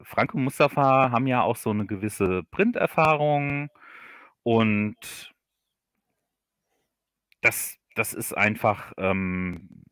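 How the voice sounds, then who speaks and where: Low-voiced halting man, close dry sound. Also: expressive, a bit bright, dry recording. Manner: halting, often doubles words while searching for phrasing. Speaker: author being interviewed on a livestream. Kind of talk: unscripted interview talk.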